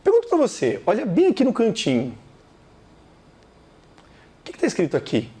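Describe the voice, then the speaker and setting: Man, Brazilian Portuguese accent, teacher, video lesson, very expressive pitch, addresses the viewer. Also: breathy edge. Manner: animated, talks straight to the viewer, repeats example words slowly.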